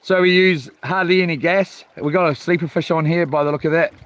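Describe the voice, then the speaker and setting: A man with a notably high, fairly bright voice and broad New Zealand accent rambles loosely as a casual live vlog host, hesitant and informal, with a steady tone and slightly fast pace. He's outdoors on a small boat at sea, with faint water and boat noise behind him.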